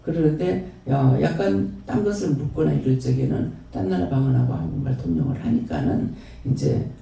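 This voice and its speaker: A man with a Gyeongsang accent preaches in a loose, folksy way, circling back over his points. His voice is very dark and gravelly, and it comes from a distance and rings through a big, echoing church hall. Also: on the high side, sing-song, moderate pace. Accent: Gyeongsang Korean. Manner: rambling, repetitive, folksy. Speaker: pastor. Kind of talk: sermon and closing prayer. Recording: very echoey hall, distant mic.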